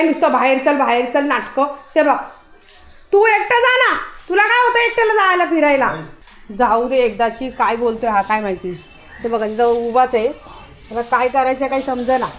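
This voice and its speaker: High-pitched woman scolding her dog. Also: lively intonation, normal speed. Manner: scolding, chiding a dog loudly. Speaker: vlogger talking to her pet dog. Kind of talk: casual home vlog.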